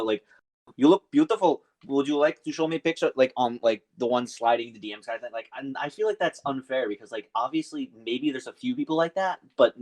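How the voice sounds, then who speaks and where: Guy talking on a podcast, average pitch, lots of like. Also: poor audio. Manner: casual, filler-heavy talk. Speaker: podcast co-host. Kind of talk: casual podcast discussion.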